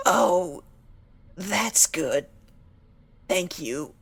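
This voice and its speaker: Storybook role: shy, unwell girl pony, soft and hesitant, creaky and breathy, forever apologising. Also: on the low side, lively intonation, very slow, heavily acted. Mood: meek, anxious. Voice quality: breathy, husky whisper-prone voice. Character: timid, anxious, sickly young female pony, soft-spoken.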